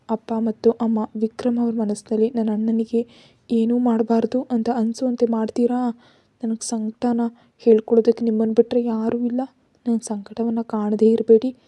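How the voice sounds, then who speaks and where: A young wife in a spoken story, pleading through tears and then teasing her brother in a husky, breathy voice, as a woman narrator puts her on. The tone is dark and mellow, with a flat, even pitch, in a dry close recording. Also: dry recording.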